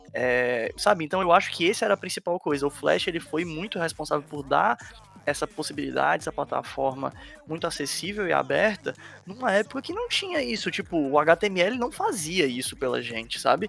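A man speaks at a fairly quick pace with a high pitch and lively intonation. Noticeable background noise runs behind him. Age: 20s. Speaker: games podcast host. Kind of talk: casual chat.

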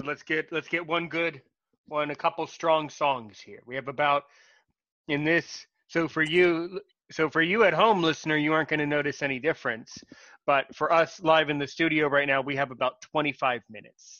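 The speaker has an American accent and a normal speaking voice. The pace is moderate, the intonation fairly even, and the loudness swings widely. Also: man, fairly high pitch for a man. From USA. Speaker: podcast host. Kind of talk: interview chat. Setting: online video call.

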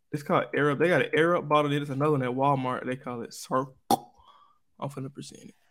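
Fast and fairly even in intonation, a man's medium-pitched voice has a fairly bright tone.

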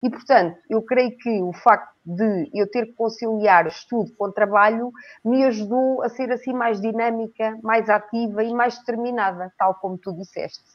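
A woman speaks at a moderate pace with hardly any pauses, her pitch fairly high. It is an ordinary speaking voice, and her intonation stays fairly even. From Portugal, Ourém area. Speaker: HR-trained coach and trainer. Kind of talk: casual interview.

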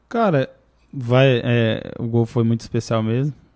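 At a fairly slow pace, a man of medium pitch speaks in a dry, close sound with no echo. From Santa Catarina, southern Brazil (Morro da Fumaça). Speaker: professional footballer. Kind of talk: casual interview. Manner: halting, many fillers.

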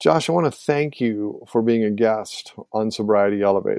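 A man speaks in a plain, everyday voice at a medium pitch. The background is quiet. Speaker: podcast host. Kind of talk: casual interview.

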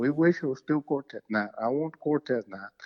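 A man with a medium pitch speaks at a moderate pace with lively intonation. The sound is dry and close with no echo against a quiet background. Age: 40s. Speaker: Southern Gospel bass player and singer. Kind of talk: casual interview. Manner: laid back, quiet.

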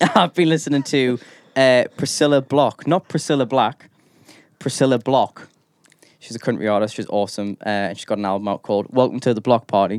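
A man's ordinary speaking voice at a medium pitch, fairly quick in pace, with ordinary pitch variation and a dry, close sound with no echo. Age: 20s. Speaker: podcast host. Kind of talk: casual chat.

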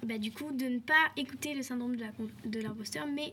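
With noticeable background noise behind her, a woman talks in a high voice at a moderate pace, her pitch varying in an ordinary way. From France, La Rochelle. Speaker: guest, aspiring writer and tattoo artist. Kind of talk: casual chat.

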